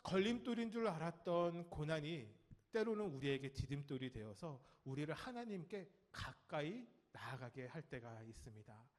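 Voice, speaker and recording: A Korean man preaching a Sunday sermon, telling stories and speaking straight to the congregation, his sentence endings trailing off soft and low. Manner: lively storytelling with acted quotes of nagging adults; talks directly to the congregation and children. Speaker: pastor. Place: church sanctuary.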